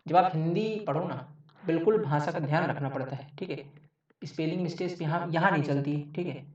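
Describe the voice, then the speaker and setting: A man's voice: a little high, brisk. Man teaching in an echoey room. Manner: repeats each point, checks with frequent "okay". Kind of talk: exam-prep grammar lecture. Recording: echoey, distant, dull mic.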